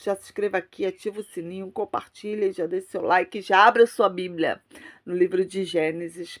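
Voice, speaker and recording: A Brazilian woman speaks as an online pastor. Her voice sits at a middle pitch for a woman, and she has a cold. She delivers her words in an emphatic religious style, leaning on repeated devotional phrases. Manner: emphatic, repetitive religious exhortation. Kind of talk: fervent prayer, preaching and scripture reading.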